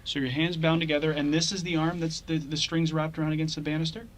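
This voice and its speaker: A male police detective questioning a witness in a calm, steady way. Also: a little high, fast talker. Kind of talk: police interview.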